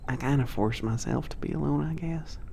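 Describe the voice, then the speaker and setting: Man voicing a young male giant, shy, lonely, folksy, hesitant, gravelly, faint ambience. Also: mid-range voice, a little fast, dark tone, a little hiss or hum, natural voice. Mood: wistful. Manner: folksy, rural turns of phrase, hesitant. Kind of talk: ASMR audio drama.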